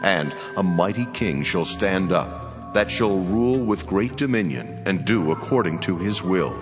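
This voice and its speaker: Deep, reverberant solemn angel. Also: male voice, animated. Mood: solemn, prophetic. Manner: solemn, measured, commanding. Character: solemn mighty angelic messenger speaking to a prophet. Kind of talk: dramatized scripture reading. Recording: long reverb, music behind. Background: music.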